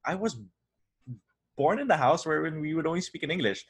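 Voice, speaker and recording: A man from Cebu with a Filipino accent, hosting a relaxed conversational interview with lots of backchannel replies. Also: fairly high pitch, fairly quick, slightly rough. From Cebu, Philippines. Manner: relaxed, many backchannels, laughs along. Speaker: host.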